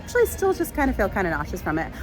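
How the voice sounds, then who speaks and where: A woman's voice: mid-range voice, wildly swooping pitch, very fast, soft background music, low-quality recording. A woman chatting casually in a vlog, rambling with fillers, sometimes stuffy from allergies. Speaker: vlogger. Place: theme park, outdoors and at home.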